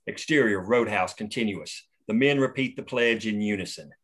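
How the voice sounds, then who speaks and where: A man reading the stage directions aloud at a script table read in a steady, plain way. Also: lowish voice, normal speed.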